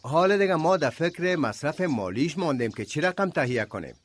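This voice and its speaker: A modest, practical village mullah with an Afghan accent. He talks matter-of-factly in a fairly high voice with lively intonation, in radio drama style.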